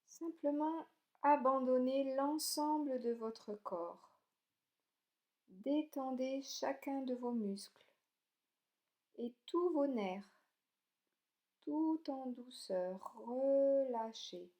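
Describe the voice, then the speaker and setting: A woman leading a guided yoga relaxation, speaking calmly and soothingly in short, gentle instructions with pauses between them. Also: high-pitched. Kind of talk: slow guided meditation narration.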